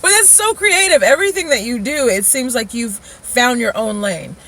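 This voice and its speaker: Lady interviewer, casual chat, lots of little reactions, really lively pitch. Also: moderate pace. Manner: encouraging, reacts with short interjections. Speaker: interviewer and video host.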